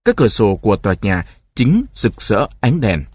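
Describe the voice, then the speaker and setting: Husky male audiobook narrator. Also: lowish voice, normal speed, no echo. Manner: steady, even reading.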